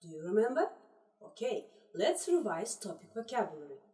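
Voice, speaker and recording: A woman teaching a children's English lesson, slowly repeating each word in three languages. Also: medium pitch, big pitch swings, mellow. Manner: slow, deliberate, repeats words in three languages. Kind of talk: trilingual video lesson for children. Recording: echoey room, voice distant from mic.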